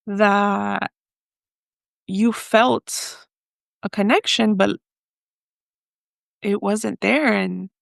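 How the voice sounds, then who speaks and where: A woman speaks extremely slowly in a steady mid-range voice marked by vocal fry and long pauses. The dry recording is studio quality. She is a podcast guest, raised in the US by Mexican parents, sharing her personal story hesitantly and emotionally while slipping in Spanish phrases.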